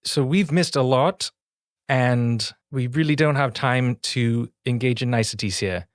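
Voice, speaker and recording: A man's voice: mid-range voice, measured pace, dry recording. Dude playing his character at a tabletop game, a bit hesitant, dry sound. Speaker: player. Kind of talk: tabletop role-play.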